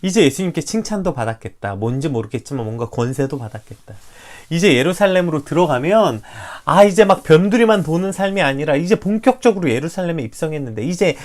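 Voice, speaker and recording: A preacher giving a livestreamed morning devotional sermon, animated, asking the listeners questions and acting out quoted prayers. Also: mid-range voice, quick pace.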